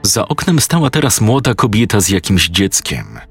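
A man narrating a horror story in a slow, grave, scripted way. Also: fairly low pitch, sing-song, a bit bright, breathy edge. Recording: faint music behind.

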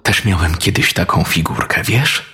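A man voicing a creepy, ever-smiling ghost boy in a spoken horror story, talking softly and slyly. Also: deep voice, animated, moderate pace, breathy edge, soft background music, exaggerated voice. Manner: soft, sly and coaxing.

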